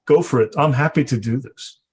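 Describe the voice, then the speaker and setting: A man's voice: mid-range voice, a little fast, a little mellow, breathy edge. Insistent man issuing a challenge. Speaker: panelist. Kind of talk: live online discussion.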